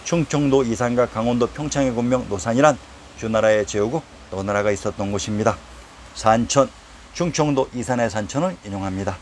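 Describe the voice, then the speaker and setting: A man reading a formal lecture on old place names, reciting quotations from historical texts at a steady, even pace. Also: medium pitch, fairly quick, a little hiss or hum. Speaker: narrator of a history lecture series. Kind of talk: read-aloud historical lecture.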